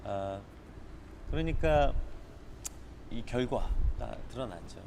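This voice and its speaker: A man leads a live morning Bible study, reading passages aloud and explaining them in a relaxed, conversational way. His voice sits in a middle register, and his explanations are sprinkled with filler words. Clear traffic noise from outside runs behind his voice. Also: mid-range voice, slow pace.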